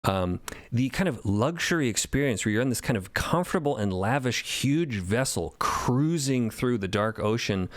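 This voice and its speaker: A man's voice: medium pitch, expressive, moderate pace, few pauses, dry recording. A man chatting casually as a podcast panelist, enthusiastic and emphatic, with the odd swear word. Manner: enthusiastic, emphatic, mildly profane. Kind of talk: casual roundtable chat.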